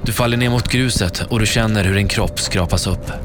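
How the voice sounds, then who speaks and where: A man reading a second-person dramatic audio story in a slow, hushed storytelling manner. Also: fairly low pitch, background noise. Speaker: narrator. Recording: narration over clear background music. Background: music.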